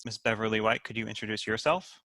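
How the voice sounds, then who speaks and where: A man's voice: on the low side, quick pace, bright, forceful tone, no echo, studio quality. A man hosting a script table read and reading out the stage directions as scripted narration. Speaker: host, writer and stage directions reader.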